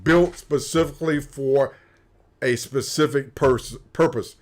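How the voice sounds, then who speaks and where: Speaking at a measured pace in a mid-range, darkish voice, this livestream co-host, once a sniper, explains things plainly and casually. He frequently backs up and restarts what he's saying.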